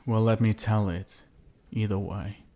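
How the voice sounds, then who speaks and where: A man playing a possessive, sinister yet doting vampire husband in an intimate ASMR roleplay, coaxing with endearments and lingering pauses. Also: fairly low pitch, fairly even intonation, dark tone, lightly acted. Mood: soothing, possessive.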